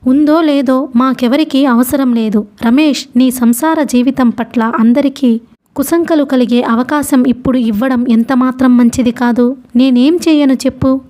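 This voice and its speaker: A woman reading the part of a loyal male friend who urges gently and earnestly. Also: sits high, steady tone, moderate pace, lightly acted. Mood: urging. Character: steady loyal male friend, calm and persuasive.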